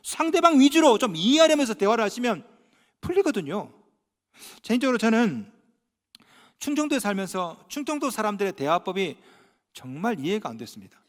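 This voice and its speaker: A man's voice: sits high, a little fast, long pauses. A male pastor from Gyeongsang Province preaching a sermon, telling humorous stories and acting out bits of dialogue. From Gyeongsang Province, Korea. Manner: animated, humorous storytelling with acted-out dialogue. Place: church sanctuary. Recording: long church reverb.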